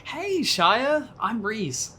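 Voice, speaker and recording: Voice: medium pitch, sing-song, drawn-out words, bright, forceful tone, slight background noise, heavily acted. A young adult actor playing a friendly, worried small-town boat owner in an audio drama, speaking in a conversational, earnest way. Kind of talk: naturalistic audio drama acting.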